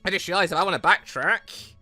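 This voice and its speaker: A gaming host chats through a playthrough in a bright, forceful voice. The delivery is casual and rambling, with frequent self-corrections. The sound is dry, with music playing behind the voice. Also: mid-range voice, quick pace, no echo. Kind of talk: casual let's-play commentary.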